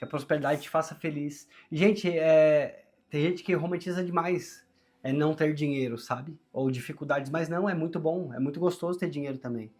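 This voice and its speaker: Brazilian man with strained, sore-throated, higher voice. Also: normal speed, darkish tone. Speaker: tarot reader, channel host. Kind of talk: conversational tarot reading to viewers.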